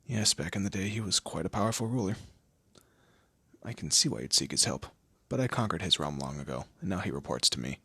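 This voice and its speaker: A man voicing a deep, smug demon lord. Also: animated, fairly quick, sharp tone, breathy edge, dry recording, exaggerated voice. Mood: amused, curious. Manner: theatrical, condescending, drawling, with amused asides. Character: smug, teasing male demon lord, proud torturer and bureaucrat. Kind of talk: scripted audio roleplay addressed to the listener.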